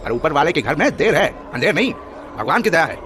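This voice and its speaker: A man's voice: fairly high pitch, big pitch swings, fast talker. An actor playing a self-righteous village man in a horror audio drama, harsh and accusatory in his scolding. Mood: earnest, insistent. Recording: noisy crowd and street ambience behind.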